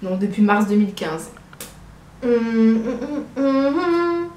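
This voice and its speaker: A woman's voice: fairly high pitch, expressive, slow pace, a little mellow, faint music behind. A woman in her early twenties from Brittany, chatting casually to camera in a hesitant, rambling way. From Brittany, France. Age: early 20s. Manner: rambling, hesitant, repeats herself. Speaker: vlogger presenting herself. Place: small living room at home, indoors. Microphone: compact camera on tripod, about a metre away. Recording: echoey room, clear background noise.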